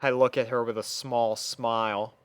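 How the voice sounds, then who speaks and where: Casting: male narrator for fan fiction, smooth mid-range voice, conversational first-person storytelling, close dry sound. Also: medium pitch, little pitch movement, moderate pace, no echo. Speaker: narrator and reader playing the first-person lead.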